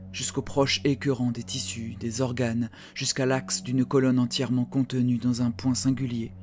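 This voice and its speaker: A man reading his own literary poem aloud in a solemn, deliberate manner, with frequent pauses between phrases. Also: mid-range voice, darkish tone. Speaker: poet reading own work. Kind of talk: literary poetry reading, recited. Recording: music under the voice. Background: music.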